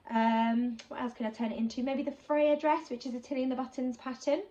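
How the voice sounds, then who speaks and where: A woman talks in a chatty, enthusiastic way, full of little ums, with a bit of a sniffly cold in her voice. Her voice sits a little high. The recording sounds slightly dull and lo-fi. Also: steady tone, a little fast, warm tone. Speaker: sewing vlogger. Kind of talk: casual unboxing chat.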